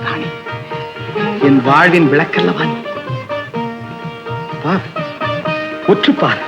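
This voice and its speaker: A man's voice: a little high, takes it slowly, gravelly, low-quality recording. A man playing a film hero in 1960s Tamil cinema, speaking in declamatory dialogue. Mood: tender. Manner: declamatory, lamenting then tender. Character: man who faked being a drunkard to win back his love. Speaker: film hero, the woman's lover. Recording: old film soundtrack with loud music.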